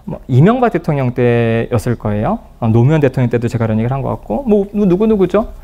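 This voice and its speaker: A man's voice: medium pitch, quick pace, dull audio. A man giving a psychology lecture, telling personal stories to an audience and acting out the dialogue he quotes. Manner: lively storyteller who acts out quoted dialogue. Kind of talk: public lecture, personal storytelling. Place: lecture room at a counseling center.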